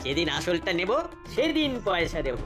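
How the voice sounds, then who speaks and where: A woman's voice: fairly low pitch, sing-song, moderate pace. A woman playing a cocky, sly boy trickster in a cartoon, breezy and sing-song. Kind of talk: cartoon voice acting. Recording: music behind the voice.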